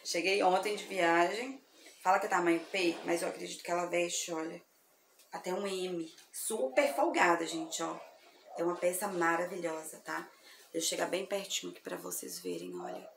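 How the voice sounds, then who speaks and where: Chatty, slightly hoarse woman showing clothes. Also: fairly low pitch, normal speed. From Brazil. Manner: chatty, effusive, addresses viewers as girls. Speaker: online thrift seller. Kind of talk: casual product showcase. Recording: echoey room with faint ambient noise.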